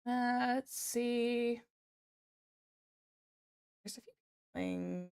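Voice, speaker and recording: Woman streamer, slightly hoarse, smooth clear tone, chatty, repeats herself. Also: a little high, drawn-out words, darkish tone. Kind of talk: casual livestream chat.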